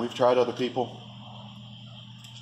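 A man's speech comes through with light background noise behind it. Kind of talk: casual vlog chat. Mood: relaxed, matter-of-fact. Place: garage.

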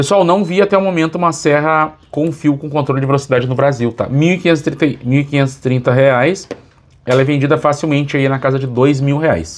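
With a Brazilian accent, a man talks at a fairly high pitch with ordinary pitch variation. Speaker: product reviewer and deal promoter.

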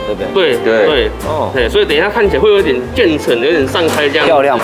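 Loud music plays in the background as a man talks at a fairly quick pace. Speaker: pastry chef instructor. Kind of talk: tutorial. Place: kitchen. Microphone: lapel.

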